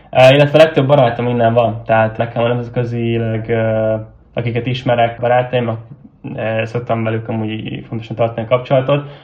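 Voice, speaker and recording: There is noticeable background noise as a man speaks at a fairly quick pace. His medium-pitched voice stays flat and monotone. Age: 20s. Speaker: entrepreneur. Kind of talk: interview. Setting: video call.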